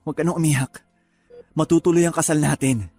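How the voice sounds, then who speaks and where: A man playing a hurt, soft-hearted groom in an emotional radio romance drama. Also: a little high, steady tone, a little fast, faint music behind. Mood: tender, forgiving. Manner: earnest, emotional.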